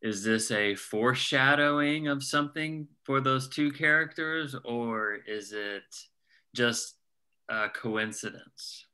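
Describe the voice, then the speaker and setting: A man asking a question in a casual group discussion, halting and tentative in his phrasing. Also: mid-range voice, sharp tone.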